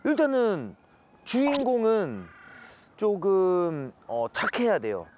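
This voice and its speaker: A woman's voice: mid-range voice, big pitch swings, slow pace, darkish tone, slight background noise. A woman hosting a casual panel chat, asking questions and responding to the other speakers. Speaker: panel show host.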